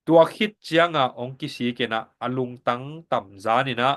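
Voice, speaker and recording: A man's voice: mid-range voice, moderate pace, a bit bright. Man steadily teaching a Bible lesson. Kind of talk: Sabbath School lesson teaching.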